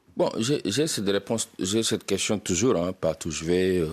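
Very clean recording, silent background. A man speaks very slowly in a very deep, low pitch. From Senegal. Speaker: social entrepreneur. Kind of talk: radio interview.

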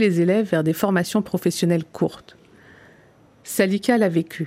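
A woman's dark, mellow tone at a moderate pace. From France, Versailles. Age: 50s. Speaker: podcast host and journalist. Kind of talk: scripted narration.

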